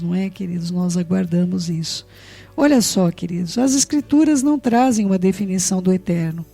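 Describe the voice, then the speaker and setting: A Brazilian woman with a Brazilian Portuguese accent preaching a sermon, earnest and warm toward her listeners, often checking in with rhetorical questions. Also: lowish voice, gravelly. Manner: earnest, tags phrases with rhetorical questions, addresses listeners fondly.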